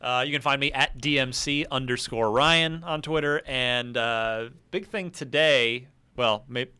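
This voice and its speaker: A man hosts a casual podcast in a bright, smooth voice at a middle pitch. He banters easily and likes to prod his guests with questions. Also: a little slow. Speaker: podcast host.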